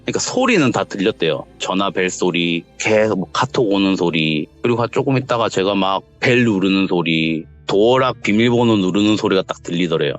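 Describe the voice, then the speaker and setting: A low-voiced man tells a true ghost story over a voice call, his pitch rising and falling a lot as he acts out each moment. The sound is dull and lo-fi, with faint music playing underneath. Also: a little fast, hardly any pauses. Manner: animated storytelling, acting out quotes. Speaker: caller telling a viewer's story.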